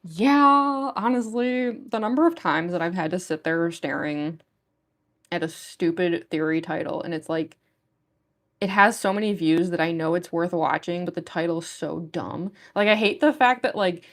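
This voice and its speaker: Gruff-voiced woman chatting on a livestream. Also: fairly low pitch, normal speed. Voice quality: gruff, smoker-like voice. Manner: rambling, chatty, many fillers. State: losing her voice. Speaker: livestream artist. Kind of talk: casual chat with stream viewers.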